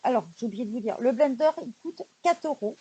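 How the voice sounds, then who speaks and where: A woman presenting her recent craft purchases in a casual, chatty haul video, often pausing on fillers. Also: a little high, expressive, dark tone, lo-fi sound, a little hiss or hum. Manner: chatty, many hesitation fillers and "donc voilà". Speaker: craft YouTuber showing purchases.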